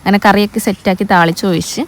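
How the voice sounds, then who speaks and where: A woman's voice: medium pitch, steady tone, fast. A young woman, narrating her day as a family vlogger in a chatty way, often turning to viewers with asides. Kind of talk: casual day-in-my-life narration.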